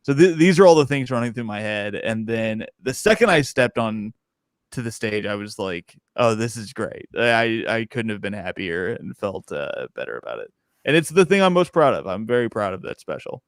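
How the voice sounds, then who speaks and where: Male guest comic from the Midwest, mid-pitched, smooth and reflective, halting delivery, dry close sound. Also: big pitch swings, dry recording. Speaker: guest comedian. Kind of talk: podcast conversation.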